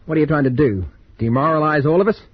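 A man's voice: fairly high pitch, fast, breathy edge, dry recording. An actor playing a blunt, confrontational, hot-tempered space crewman in a radio science fiction serial. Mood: accusing. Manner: confrontational, sceptical. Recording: dull, faintly noisy old radio recording.

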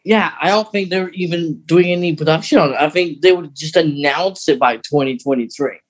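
Man, fairly high voice, podcast co-host, casual chat, talkative explainer. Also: a little fast.

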